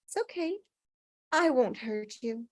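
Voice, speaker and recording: A woman acting an eerie lady in white from a ghost drama script. Her voice is fairly high and very dry, with a coy innocence that turns needling and probing. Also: expressive, unhurried, no echo. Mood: startled, questioning. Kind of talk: scripted table read.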